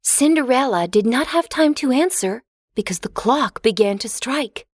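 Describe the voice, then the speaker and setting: A woman narrating a children's fairy tale in a clear, expressive storybook reading. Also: fairly high pitch, moderate pace, dry recording, clean studio sound.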